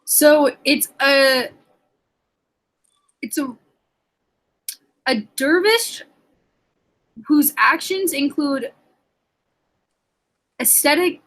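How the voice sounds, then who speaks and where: A woman's voice: high-pitched, very slow, long pauses, fairly bright tone, poor audio. A young woman in a casual book chat, often quoting and acting out lines as she talks. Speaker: book discussion co-host.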